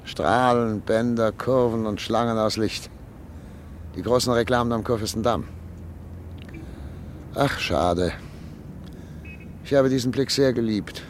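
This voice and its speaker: A man's voice: mid-range voice, measured pace, pauses often, natural voice. An actor playing a thoughtful, anxious doctor and father of thirty-nine in a radio drama, speaking earnestly and articulately. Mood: wistful. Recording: noisy old radio play recording.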